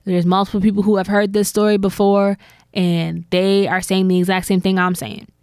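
Female podcast co-host, mid-pitched, chatty rambling storyteller, dry close mic. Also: flat delivery, darkish tone, clear, resonant tone, no echo. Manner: chatty storyteller, drawn-out filler-laden retelling. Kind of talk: casual gossip chat.

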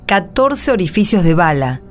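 A woman's voice: on the low side, sing-song, moderate pace, faint music behind. A woman giving solemn scripted narration for a radio drama.

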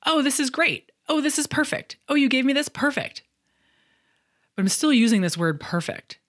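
A woman's voice: high voice, lively intonation, normal speed, fairly bright tone, dry recording, clean studio sound. A middle-aged woman hosting a solo podcast, talking through book reviews in a candid, chatty way with some self-deprecating humor. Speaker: podcast host and coach.

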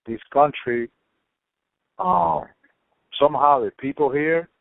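Gravelly man on a tinny line. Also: on the high side, slow, no room sound. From Cuba. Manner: animated storytelling, swearing, many fillers. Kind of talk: casual chat.

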